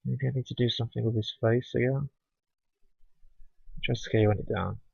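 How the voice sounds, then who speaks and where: A man's voice: mid-range voice, fairly even intonation, moderate pace, creaky, darkish tone, husky, no echo, highs cut off. A man giving casual, chatty commentary while streaming a game, with sarcastic asides.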